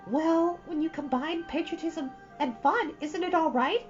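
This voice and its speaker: A woman's voice: extremely high pitch, measured pace, muffled recording, soft background music, voice pushed up. A woman voicing an eager, dramatic young girl from a storybook, gushing breathlessly and theatrically. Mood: pleading, excited. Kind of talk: storybook character voice.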